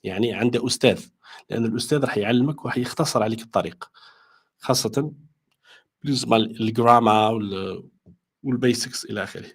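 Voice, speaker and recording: A man with an Algerian Arabic accent lecturing as a language teacher. He talks in rapid Arabic, then slows into careful English with many fillers. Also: medium pitch, husky.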